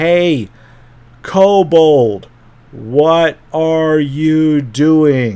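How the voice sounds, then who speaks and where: A man puts on a character voice with a German-free, fairly high pitch. He speaks loudly. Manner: loud, slow and demanding, as if to a foreigner.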